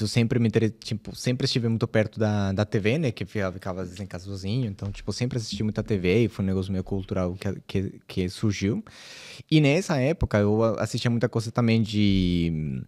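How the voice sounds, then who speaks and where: Guest in his thirties, lower voice, loose and chatty, lots of fillers. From Colombia. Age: 30s. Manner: relaxed storytelling, frequent fillers and laughs. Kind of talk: casual podcast conversation.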